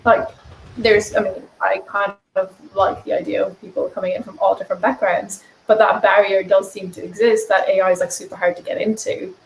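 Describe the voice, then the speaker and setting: A woman's voice: mid-range voice, level tone, fairly quick. A woman interviewer on a video call asks casual, hedging questions while her voice breaks up over the connection. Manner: hedging, uses many fillers such as kind of and like. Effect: voice breaking up over an online call. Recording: roomy call audio that breaks up, faint noise.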